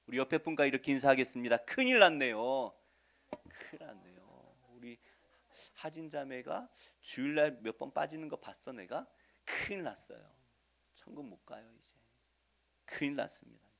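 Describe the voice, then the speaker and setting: A male pastor giving a Sunday sermon, asking the congregation questions and answering them, swinging between loud stresses and soft asides. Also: mid-range voice, lively intonation, moderate pace, creaky. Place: church sanctuary.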